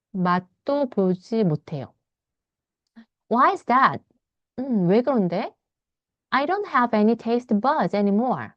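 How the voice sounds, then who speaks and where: Korean teacher reading English slowly aloud. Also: female voice, mid-range voice, no echo, dull audio. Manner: reads English lines slowly, then explains in quick Korean. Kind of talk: bilingual read-aloud lesson, explaining a novel.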